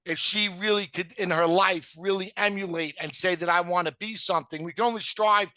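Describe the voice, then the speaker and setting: Bright high-voiced man, blunt and profane. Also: steady tone, a little fast, no room sound. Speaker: podcast host. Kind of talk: casual rewatch podcast chat.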